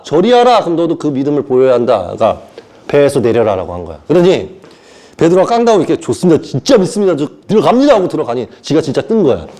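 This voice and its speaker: A male preacher with a mellow, relaxed tone gives a sermon. His pitch swings widely as he acts out the characters in the stories. He keeps stopping to ask the congregation whether they follow him. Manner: animated storytelling, acting out voices of Jesus and Peter; asks the listeners if they understand.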